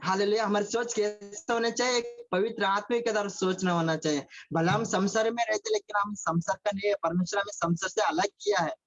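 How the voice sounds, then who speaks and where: A man's voice: high-pitched, a little fast, gravelly, hardly any pauses, fairly bright tone. A man preaching a sermon over a video call, repeating phrases, asking his listeners questions and mixing in English words. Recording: dull lo-fi call audio.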